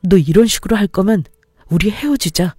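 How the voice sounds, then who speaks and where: An angry young husband who scolds and talks down in blunt, accusing bursts, as a woman narrator puts him on. The tone stays mellow and warm rather than sharp. The sound is dry and close, with no room around it. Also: mid-range voice, normal speed, no echo, lightly acted. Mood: contemptuous.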